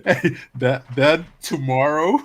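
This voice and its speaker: A man with a deep voice, a guest on a casual live stream, easygoing and quick to laugh. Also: a little hiss or hum.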